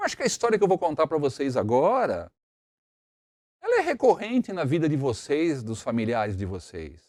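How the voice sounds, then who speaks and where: The speaker has an animated tone and a moderate pace. The recording is very clean, with a silent background. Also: man. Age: 60s. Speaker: motivational speaker. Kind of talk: motivational talk to camera.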